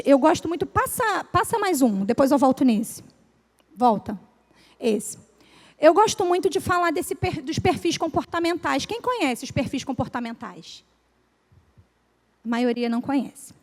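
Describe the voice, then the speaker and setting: A woman with a Brazilian Portuguese accent gives a lively motivational business talk to a live audience. She asks the listeners questions and acts out everyday examples. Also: high-pitched. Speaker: speaker at a business breakfast talk. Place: event room with audience. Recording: live hall with long reverb.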